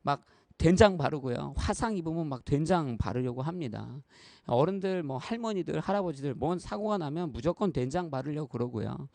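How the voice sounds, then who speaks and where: A pastor in his thirties delivers a sermon in an earnest, conversational way, speaking straight to the congregation and weaving in stories from his own life. His voice sits a touch high for a man, with a gravelly, fry-tinged edge and a mellow, dark tone. The sound is dry and close, with little room echo. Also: expressive, brisk. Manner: addresses the congregation directly and repeatedly. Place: church.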